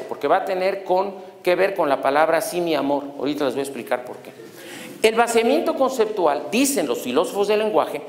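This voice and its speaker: Animated Mexican man lecturing in a hall. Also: fairly high pitch. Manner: animated, jokey, asks the audience questions. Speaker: law lecturer. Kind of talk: lecture with storytelling.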